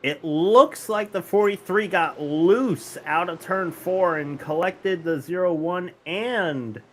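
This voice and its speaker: A man commentating an online truck race in an easygoing way, voice sitting a little high. He stops to fix his own mistakes. A faint hiss sits under the recording. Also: takes it slowly. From northern United States. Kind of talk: casual play-by-play commentary.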